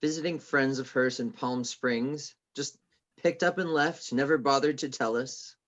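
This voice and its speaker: A discreet, deferential aide voiced by a woman in a script read-through. The voice is low, and the sound is a little dull and lo-fi. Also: measured pace. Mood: polite, cautious. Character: discreet, deferential male aide to a rich man. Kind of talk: virtual table read of a film script. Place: remote video call.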